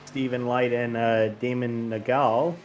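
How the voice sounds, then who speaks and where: A man doing casual play-by-play commentary for an online truck race, relaxed and correcting himself as he goes. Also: mid-range voice, a little slow. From northern United States.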